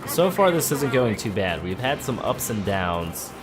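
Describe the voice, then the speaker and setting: A man's voice: lowish voice, sing-song, unhurried. A man hosting a let's play, giving casual gameplay commentary and thinking aloud as he plans each step. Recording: loud game music and vehicle sounds behind. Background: video game music and engine noise.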